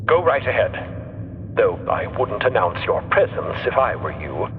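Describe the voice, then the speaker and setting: Curt professor, formal, guarded, swooping intonation, long reverb, audio drama. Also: male voice, on the low side, sing-song, normal speed, narrow, tinny audio, slight background noise. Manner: formal, clipped, evasive. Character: male professor explorer with a mind in a machine body, guarded, curt. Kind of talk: audio fiction podcast acting.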